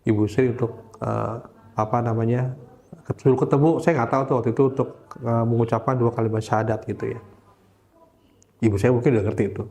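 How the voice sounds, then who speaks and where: A man recounting his childhood conversion in casual conversation, animated and often pausing to search for words. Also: mid-range voice, creaky. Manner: animated, acts out the voices of people in his story; searches for words with frequent fillers. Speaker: interview guest recounting a religious conversion.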